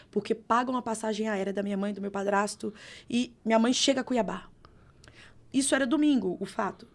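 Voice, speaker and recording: A woman pastor with a Brazilian accent, telling her testimony in a podcast interview with expressive, dramatic storytelling. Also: medium pitch. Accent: Brazilian Portuguese. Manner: expressive, dramatic storytelling with vivid reenacted dialogue. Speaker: pastor, guest.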